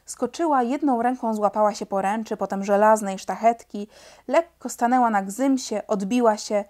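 Woman, audiobook reader, children's storybook narration, expressive, lively, middle pitch.

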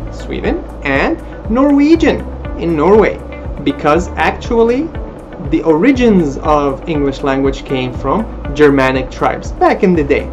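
A man in his thirties whose first language is Armenian explains things to camera in a lively, animated way, gesturing as he talks. His voice comes through a dull, lo-fi webcam recording made in a small room. Music plays clearly behind him. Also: fairly high pitch. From Middle East, Arabic-speaking country. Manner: lively, expressive, gestures with hands. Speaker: language school presenter. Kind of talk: informational talk to camera. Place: small indoor room, plain wall.

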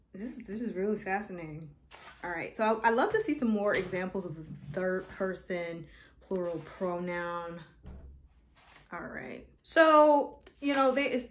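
A woman in her thirties with an African American accent, giving an informal explainer and reading examples from a book in a thoughtful, halting way. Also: mid-range voice. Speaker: presenter of an educational video. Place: small indoor room, seated before a wall.

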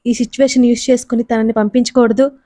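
A woman's voice: on the high side, level tone, fast, dark tone, dry recording, studio quality, lightly acted. A woman voicing a teasing young adult male friend in a storybook, with playful banter.

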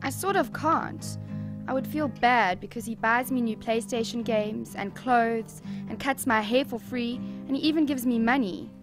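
A woman's voice: fairly high pitch, normal speed, natural voice. A woman playing a troubled, hesitant young boy in an audio drama, with guitar music behind. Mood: anxious, reluctant.

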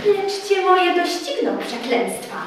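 Scorned, theatrical woman voiced by an actress, slow impassioned verse, distant mic, faint noise. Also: extremely high pitch, big pitch swings, heavy reverb, pitched above the performer's own voice, exaggerated voice. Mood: furious. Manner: impassioned dramatic declamation, swings loud and hushed. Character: scorned passionate woman, jealous, furious, theatrical. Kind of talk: dramatic verse recitation.

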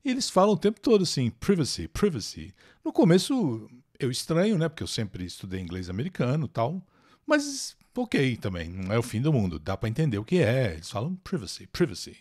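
A Brazilian man hosting a live English lesson, chatting with viewers by name and stretching out words slowly to drill their pronunciation. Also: mid-range voice, huge pitch swings, a little mellow. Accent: Brazilian Portuguese. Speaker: English teacher and channel host. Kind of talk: live lesson, reading and translating an article.

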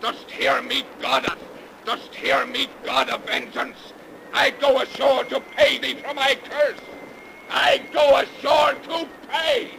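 A man's voice: very high voice, level tone, slow pace, vocal fry, heavily acted. Through the heavy noise of an old 1930s radio broadcast comes a cursed ship captain who lives among the dead. He is bitter and vengeful, declaiming in a brooding, grandiose, archaic manner made for horror drama. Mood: defiant, raging.

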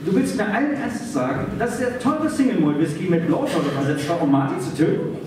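Cynical, cruel, theatrical male cat played by a man, high-voiced, recorded from far off with audible noise. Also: very animated, brisk. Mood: dismissive. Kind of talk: live radio play on stage. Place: theatre stage, recorded from the audience. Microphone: far camera. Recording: very echoey, distant, noisy stage recording.

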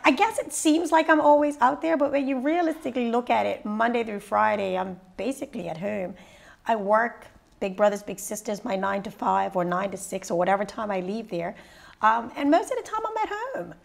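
Bermudian woman, 30s, gravelly voice, lively storyteller, interview guest. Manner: lively storyteller, rises high when excited. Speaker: interview guest, radio personality and youth mentor. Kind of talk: sit-down interview. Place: living room set indoors.

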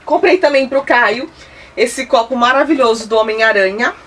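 A woman's voice: fairly high pitch, normal speed. A woman, chatting enthusiastically at home about decor items she bought, holding each one up to the camera. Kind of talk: casual product haul chat. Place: indoor room, seated at home. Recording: slightly distant mic, faint hiss.

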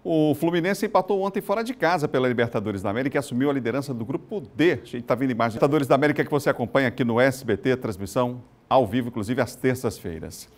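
A man's voice: mid-range voice, lively intonation, quick pace, hardly any pauses. Male local TV news anchor. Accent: Brazilian Portuguese, Maranhão. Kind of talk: TV news presenting.

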